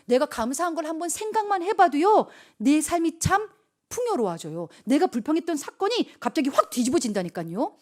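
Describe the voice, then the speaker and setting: A woman youth pastor giving an informal, exhorting sermon to teenagers, asking them direct questions and moving between emphatic calls and hushed, intimate lines. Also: high-pitched. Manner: talks to listeners directly with rhetorical questions.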